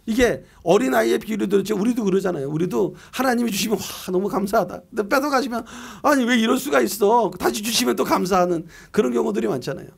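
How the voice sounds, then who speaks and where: With a high voice, vocal fry, and a breathy edge, a middle-aged pastor moves quickly through his year-end sermon with few pauses. He reads scripture aloud and poses and answers his own questions in a conversational style.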